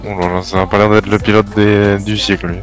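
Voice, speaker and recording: A man with a fairly low voice banters with a fellow gamer. His talk is casual, slangy and joking, over faint music. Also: flat delivery, fast. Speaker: fellow player in online roleplay game.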